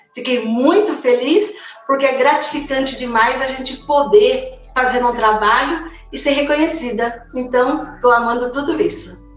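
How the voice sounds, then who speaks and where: A woman talks at a fairly slow pace in a high pitch with ordinary pitch variation, with audible room echo and noticeable background noise. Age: 60s. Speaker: student testimonial. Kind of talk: testimony.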